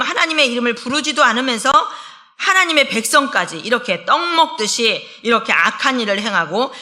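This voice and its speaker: Bright-voiced woman pastor preaching. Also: on the high side. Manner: earnest, conversational preaching with acted quotes. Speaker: associate pastor. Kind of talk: sermon. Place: church sanctuary.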